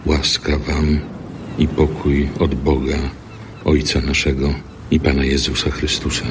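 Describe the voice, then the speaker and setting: A man's voice: rumbling low, monotone, a little slow, noisy background. An actor playing a solemn, devout apostle reading out his letter in a biblical audio drama. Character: apostle Paul, solemn man dictating a letter.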